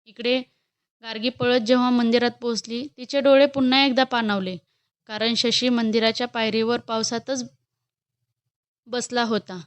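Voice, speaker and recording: A woman reads a romantic story aloud in a steady, expressive way. Her voice sits fairly high and sounds smooth and clear. It is recorded close on a dry mic. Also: normal speed, pauses often, no echo. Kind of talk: scripted story narration.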